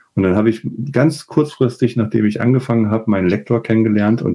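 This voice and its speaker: A man with an unremarkable speaking voice, a fairly low pitch, ordinary pitch variation and a fairly quick pace. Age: 50s. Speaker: author. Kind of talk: interview.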